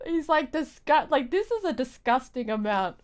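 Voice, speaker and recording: Game music plays in the background as a woman live-streams a video game and chats in a relaxed way. Her high, expressive voice moves at a moderate pace, wandering from thought to thought and often starting phrases over.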